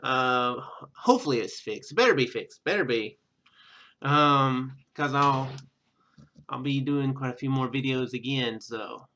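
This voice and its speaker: A man giving casual gameplay commentary in a halting, rambling, self-deprecating way. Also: mid-range voice, bright, forceful tone. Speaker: let's player. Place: indoor room at home.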